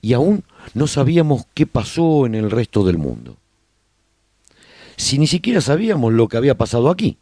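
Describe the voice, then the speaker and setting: A man playing a nostalgic survivor who chronicles colony life in a radio serial, with measured, expressive storytelling. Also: medium pitch, no echo, studio quality. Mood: earnest, chronicling. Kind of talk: scripted first-person radio drama narration.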